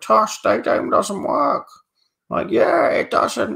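A raspy, put-on character voice sits at an extremely high pitch. It moves at a very slow pace. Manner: mocking.

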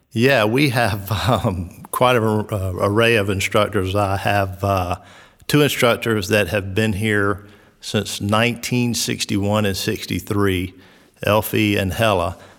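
Fairly low-pitched male speech with a Southern US accent and fairly even intonation, on a very clean recording with a silent background. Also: fairly slow pace. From South Georgia, raised in North Carolina from mid-teens. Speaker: recreation director at a resort. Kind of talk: interview answers.

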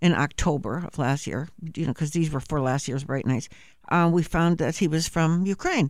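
In an unremarkable speaking voice, the speaker talks at a fairly quick pace with ordinary pitch variation. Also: woman. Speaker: community arts organizer. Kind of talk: casual radio interview. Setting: studio.

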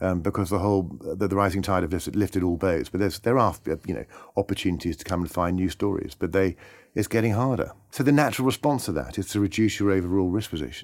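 In a British accent, a man with a very deep, low pitch and ordinary pitch variation speaks at a very fast pace on a very clean recording with a silent background. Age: 40s. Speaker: fund manager. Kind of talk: interview.

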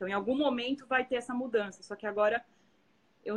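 This woman talks at a fairly quick pace with a high pitch and ordinary pitch variation. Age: 30s. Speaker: civil engineer and university lecturer. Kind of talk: live stream counseling conversation.

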